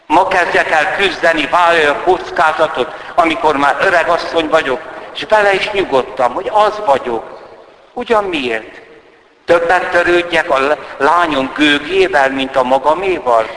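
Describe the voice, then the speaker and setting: A proud aging noblewoman, bitter and declamatory, her voice pitched up above the reader's own. A man plays her as he retells the story. The sound carries a long reverb from a large room. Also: animated, fairly bright tone. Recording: roomy hall with long reverb.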